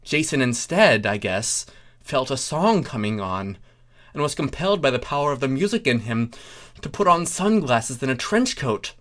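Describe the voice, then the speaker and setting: Very lively comic story reader. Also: medium pitch, moderate pace. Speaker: fan fiction reader. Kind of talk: comic dramatic narration of a story.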